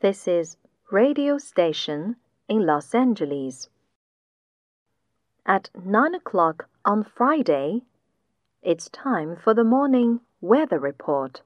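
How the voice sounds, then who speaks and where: A woman reading a weather report slowly and clearly for a listening test, with a dull lo-fi sound like AM radio. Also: mid-range voice, very animated, dry recording. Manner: slow, deliberate, clearly enunciated reading. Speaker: test passage reader.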